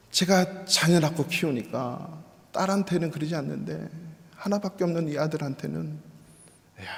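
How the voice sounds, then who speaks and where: Gravelly-voiced pastor preaching in a reverberant hall. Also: male voice, on the high side. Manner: storytelling, acts out voices, drops to soft whispers. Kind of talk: sermon. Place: church sanctuary.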